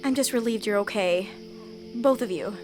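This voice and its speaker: A woman's voice: mid-range voice, moderate pace, music in the background, lightly acted. A woman playing a caring young female friend with dry wit in an audio drama. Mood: relieved, gentle.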